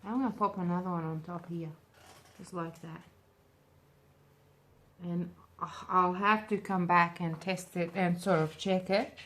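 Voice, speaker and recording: A woman with a fairly low voice and a slight smoky rasp talks through a hands-on demo. She is informal and chatty, thinking aloud as she goes, like a host showing viewers each step. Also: fairly even intonation, a little slow, pauses often, fairly bright tone. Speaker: craft tutorial host. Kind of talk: casual hands-on demo chat.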